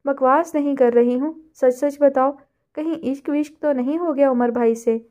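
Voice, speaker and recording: A woman's voice: high-pitched, steady tone, mellow, close to an everyday voice. A woman voicing a playful, mocking young woman friend in a storybook reading. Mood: teasing. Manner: teasing, mocking.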